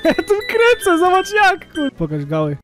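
A man streaming games, reacting with constant swearing, laughter and excited shrieks. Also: very high-pitched, moderate pace, slight background noise. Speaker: gaming streamer. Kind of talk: reactive gameplay commentary.

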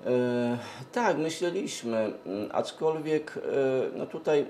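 A middle-aged man answers interview questions hesitantly, pausing often mid-sentence. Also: medium pitch, lively intonation, darkish tone, a little hiss or hum. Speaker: event organizer, interview guest. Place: TV studio, seated at a glass desk. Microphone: lapel mic.

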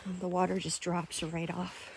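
A woman's voice: fairly low pitch, completely flat delivery, normal speed, gravelly, slight background noise, poor audio. Chatty woman vlogging outdoors. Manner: chatty, laughs easily, many fillers. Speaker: camping vlogger. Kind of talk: casual outdoor vlog narration. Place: outdoors at a lakeside forest campsite.

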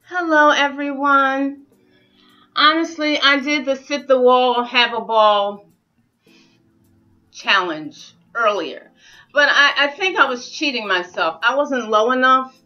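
A woman's voice: high-pitched, slow pace, pushed and bright. A middle-aged woman chatting casually to camera as a fitness vlogger, recorded in a living room. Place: small living room indoors. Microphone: camera a few steps away. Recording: distant mic, dull lo-fi sound, faint music.

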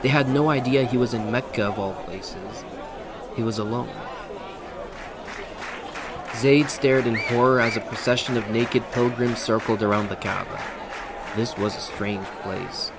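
A man narrating a historical audio drama in a measured, scripted way. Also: medium pitch, fairly even intonation, a crowd in the background, background noise.

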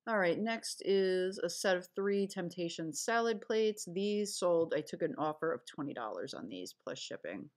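A woman with a low-set voice talks casually over a screen recording, listing what she sold. She rambles a little, trailing off and correcting herself as she goes. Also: animated, normal speed, few pauses. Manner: chatty, rambling with fillers and self-corrections. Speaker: online reseller.

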